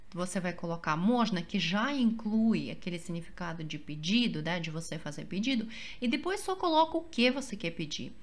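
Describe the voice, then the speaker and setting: A woman teaching a language lesson, patient and explaining step by step, slowing down for example phrases. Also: medium pitch. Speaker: Russian teacher.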